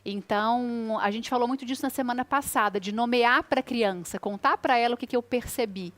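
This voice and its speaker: A woman in her thirties, a guest expert on a radio talk show, explaining child behavior and acting out gentle words to a child. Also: a little high, fairly quick.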